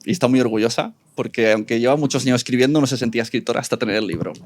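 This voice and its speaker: A man's voice: mid-range voice, rapid-fire. A man with an accent from Spain moderating a live panel in an informal, joking, teasing way. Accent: Spanish from Spain. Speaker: event host and panel moderator. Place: live event venue with audience.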